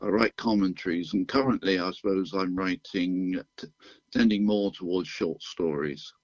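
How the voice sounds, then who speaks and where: An older man with a British accent, a retired physician chatting as a radio guest in an unhurried, self-deprecating way with dry humor. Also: low-pitched, no room sound, dull audio. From United Kingdom. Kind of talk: relaxed radio interview chat.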